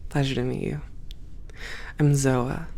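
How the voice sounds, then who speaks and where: An audio roleplay performer voices a friendly female spaceport supervisor in a one-sided ASMR roleplay, talking a new hire through things in a composed, professional, measured and welcoming way. Her voice is creaky and gravel-edged, a little mellow, pitched in an ordinary middle range with little pitch movement.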